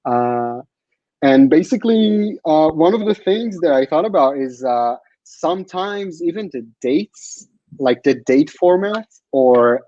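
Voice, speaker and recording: A young man whose first language is Hebrew, asking questions as co-host on a video call, halting with many pauses. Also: fairly high pitch, animated, dark tone, no echo. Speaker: meetup co-host. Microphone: video call webcam. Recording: dull lo-fi call audio.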